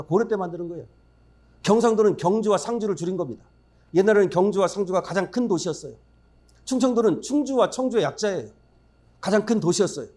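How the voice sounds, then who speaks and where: A man delivers a political speech at a forum in a high voice that leaps up and down with feeling. He talks bluntly, tosses in scornful asides, and keeps throwing rhetorical questions at the listeners. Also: dark tone. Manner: emphatic, rhetorical questions to the audience. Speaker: forum speaker.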